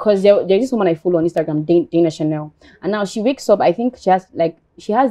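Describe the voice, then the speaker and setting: A woman talking at a very fast pace with ordinary pitch variation. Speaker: podcast co-host. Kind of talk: casual chat.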